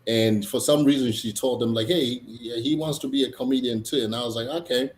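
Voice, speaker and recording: A man's voice: mid-range voice, steady tone. Man in an echoey room. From Tanzania, East Africa. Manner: halting, many fillers and restarts. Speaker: guest comedian. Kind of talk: casual interview chat. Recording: echoey room, faint noise.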